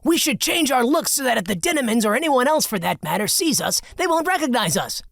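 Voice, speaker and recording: A man voicing an excitable, proud young factory owner with a high, theatrical voice. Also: brisk, vocal fry, no room sound, clean studio sound, heavily acted. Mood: eager. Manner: high-pitched, eager and theatrical.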